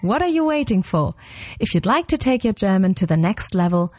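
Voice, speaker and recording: A woman announcer reading a scripted promo in a bright, persuasive way. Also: mid-range voice, big pitch swings, a little fast. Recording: voice over faint music bed.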